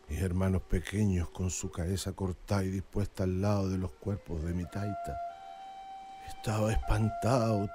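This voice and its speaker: An actor playing a grieving old indigenous man in a radio drama, telling his story laconically. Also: low-pitched. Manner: laconic, almost absent telling.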